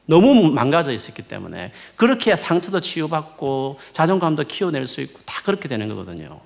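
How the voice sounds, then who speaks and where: Lively, gravelly-voiced Korean pastor preaching. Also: male voice, a little high, fairly quick. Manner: lively, rising and falling emphatic preaching; conversational, coaxing tone with rhetorical questions. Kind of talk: sermon.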